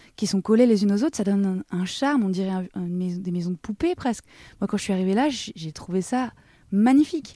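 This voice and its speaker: With a quiet background and a dry, close sound with no echo, a woman speaks in a dark, mellow tone with lively intonation. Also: medium pitch for a woman, fairly quick pace. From southern France. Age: 30s. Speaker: singer. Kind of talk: radio interview. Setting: radio studio.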